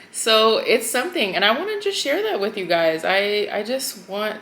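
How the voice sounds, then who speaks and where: A woman talks with an American accent. Noticeable background noise is present. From Mexican American household, US. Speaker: lifestyle YouTuber. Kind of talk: casual vlog talk to camera.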